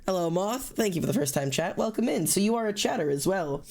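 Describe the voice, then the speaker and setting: Drawing on a live stream, a sniffly, congested man talks fast and animatedly in a high, slightly mellow voice. He rambles loosely, full of fillers and restarts, while he greets chatters by name and thanks them.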